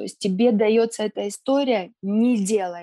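Very slow and fairly even in intonation, this voice has a warm tone that is also dark and mellow, recorded with a dry, close sound and no echo. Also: woman. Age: 40s. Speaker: storyteller sharing life story. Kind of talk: personal testimony; spoken affirmations. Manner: warm and emotive.

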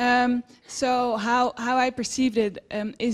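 In a flat monotone, a woman speaks with a Dutch accent. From Netherlands. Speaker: audience member. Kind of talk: audience question.

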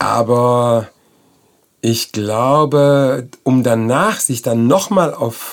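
Ordinary pitch variation colors speech delivered at a very slow pace. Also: man, medium pitch for a man. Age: 50s. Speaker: podcast host. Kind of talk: casual chat. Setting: studio. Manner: hesitant, many fillers.

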